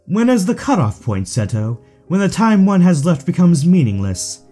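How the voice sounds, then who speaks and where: A man's voice: sits high, big pitch swings, moderate pace, mellow, soft background music. A man playing a suave, theatrical villain in an audio drama, taunting his rival with mock affection. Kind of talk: fan audio drama acting.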